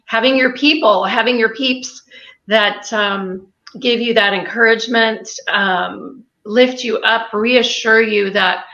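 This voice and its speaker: Bright-voiced woman on lo-fi call. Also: fairly high pitch, takes it slowly. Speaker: guest. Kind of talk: casual video call chat. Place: home kitchen. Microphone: video call. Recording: dull lo-fi call audio.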